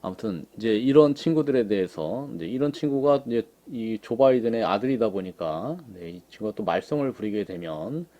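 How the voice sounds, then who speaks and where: A man giving unhurried political commentary on pictures. He fills his talk with frequent short affirmations. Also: lowish voice, animated, dark tone. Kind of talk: casual commentary on images.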